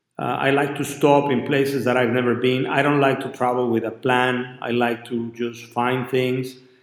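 In a room with audible echo, a man speaks flatly and in a monotone at a medium pitch. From Mexico. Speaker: architect. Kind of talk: interview. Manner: halting.

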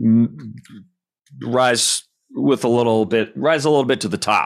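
Vocal fry runs through this man's speech. He talks at a very slow pace in an American accent. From US Northeast, rural northwestern Rhode Island. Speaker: Marine veteran, poet and musician. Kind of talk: casual chat.

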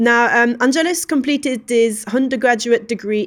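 At a moderate pace and with ordinary pitch variation, a woman talks in a normal speaking voice. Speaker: psychology lecturer and podcast host. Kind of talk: interview.

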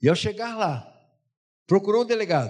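A man speaks with lively intonation at a moderate pace. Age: 60s. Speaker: missionary preacher. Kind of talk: sermon.

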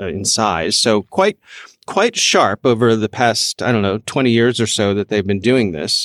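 In a plain, everyday voice with an American accent, a man of medium pitch speaks at a moderate pace with ordinary pitch variation, the sound dry and close with no echo. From US. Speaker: podcast guest, security journalist. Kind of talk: casual chat.

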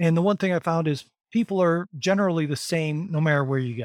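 Recorded in a dry, close sound with no echo, a man with a Midwestern American accent and a fairly high pitch talks at a moderate pace. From Ohio, rural farm town. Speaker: author. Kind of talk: casual interview.

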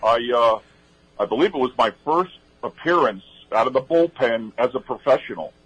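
With an American accent, a man talks at a moderate pace in a plain, everyday voice of medium pitch, his loudness very even and the sound dry and close with no echo. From Brooklyn, New York. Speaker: former baseball pitcher and executive. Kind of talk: radio interview.

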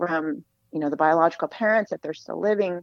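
With an American accent, a woman uses an ordinary speaking voice at medium pitch, talking at a fairly quick pace with ordinary pitch variation. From US West Coast, San Francisco Bay Area. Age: 50s. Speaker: adoptee sharing her story. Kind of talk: casual interview. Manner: reflective, with pauses.

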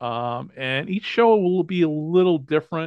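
A man with a plain, everyday voice, lively intonation and a fairly slow pace. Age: 50s. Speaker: podcast host. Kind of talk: casual chat. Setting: home studio.

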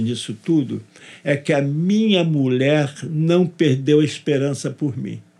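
A man's fairly high pitch and dark, mellow tone at a very slow pace, with ordinary pitch variation over a quiet background. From Rio de Janeiro, Brazil. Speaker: church deacon. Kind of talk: casual interview chat.

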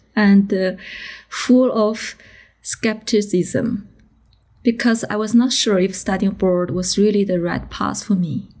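A woman with a Chinese accent speaks at a fairly slow pace in a somewhat breathy, dark and mellow tone, her pitch varying in an ordinary way. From China. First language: Mandarin Chinese. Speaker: architect and lecturer. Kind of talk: interview.

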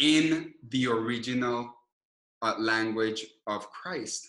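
A man with a Spanish accent speaks at a very slow pace and medium pitch. His tone is bright and sharp, with ordinary pitch variation. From Colombia, Cali. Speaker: advertising agency founder. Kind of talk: interview.

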